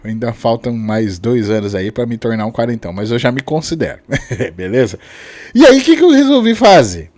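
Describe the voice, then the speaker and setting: A man in his late thirties hosting a casual vlog, rambling with many restarts and tag questions and chuckling often, with sudden lively jumps in his voice. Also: mid-range voice, fairly quick. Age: 30s. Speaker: channel host. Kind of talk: casual talking-head vlog.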